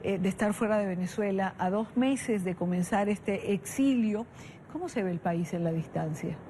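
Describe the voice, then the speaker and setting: A woman's voice: medium pitch, moderate pace, dark tone, a little hiss or hum. A woman hosting a news interview, asking probing, direct questions. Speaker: interviewer, host.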